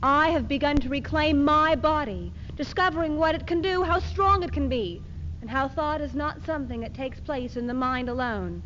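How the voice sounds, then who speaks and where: A woman's voice: high voice, normal speed, fairly bright tone. A woman playing a determined, newly independent feminist in a readers theater monologue. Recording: dull 1970s archive recording, faint noise.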